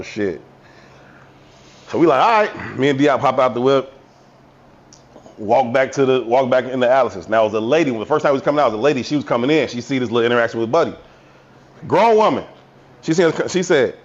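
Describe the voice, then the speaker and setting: A man co-hosting a podcast, telling a profane, animated story from his youth with voiced quotes in casual chat. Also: medium pitch, dull audio. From Chicago South Side. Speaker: podcast co-host.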